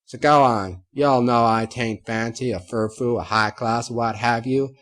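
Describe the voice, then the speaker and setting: A stubborn, plain-spoken farm mare from a storybook, talking in a thick folksy southern drawl, as a male reader puts her on. The voice sits somewhat higher than a low male voice and comes out loud and forceful, with a husky edge. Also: steady tone, moderate pace, natural voice. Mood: defiant.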